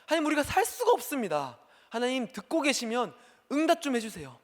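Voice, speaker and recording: A man's voice: very high-pitched, sing-song, a little fast, voice pushed up. A man voicing a desperate oppressed people crying out to God, pleading and repeating each cry. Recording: long hall reverb.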